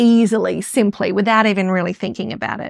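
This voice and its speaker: A woman's voice with an Australian accent, dry and close with no echo. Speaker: podcast host, former radio broadcaster and media coach. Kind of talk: solo podcast monologue. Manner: laughs often.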